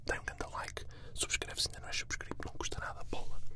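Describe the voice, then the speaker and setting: A man is whispering. He goes at a very fast pace. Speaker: food vlogger. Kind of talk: casual vlog chat. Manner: soft, intimate ASMR speech.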